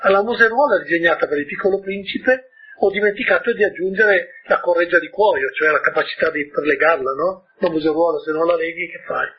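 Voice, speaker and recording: A man with a husky, slightly high voice retells a story to an audience. He keeps stopping to question his listeners and add informal asides. The recording is dull and lo-fi. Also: brisk.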